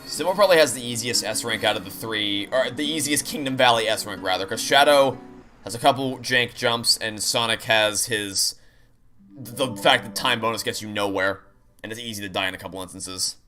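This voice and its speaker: A man's voice: lowish voice, normal speed, sharp tone. A man streaming a game, chatting with viewers and explaining his opinions in an analytical way while he plays. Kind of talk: live playthrough commentary and chat. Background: video game music and sounds.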